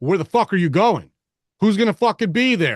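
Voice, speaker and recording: A man uses a put-on character voice pitched high, with lively intonation at a moderate pace. The sound is dry and close, with no echo. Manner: aggressive, interrogating.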